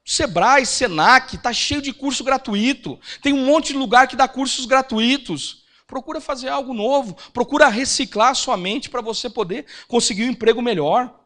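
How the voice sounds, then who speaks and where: A man's voice: extremely high pitch, moderate pace, hardly any pauses. A Brazilian man giving a church finance seminar, telling a personal testimony and acting out the dialogue. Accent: Brazilian Portuguese. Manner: animated storytelling, acts out quoted dialogue.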